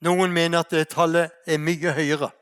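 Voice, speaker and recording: A middle-aged man from Norway preaching a sermon in a mission hall, telling a story and asking his listeners rhetorical questions, slowing down for emphasis. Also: on the high side, level tone, fairly bright tone, clean tone. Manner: asks the audience rhetorical questions.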